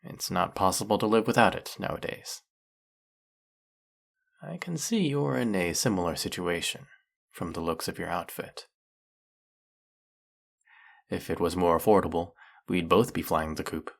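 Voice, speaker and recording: A man acting in an intimate audio roleplay as a lonely, courteous, smitten snake-headed villain, soft-spoken and flirtatious with a creaky voice. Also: low voice, expressive, a little slow, long pauses, heavily acted. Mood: resigned, confiding.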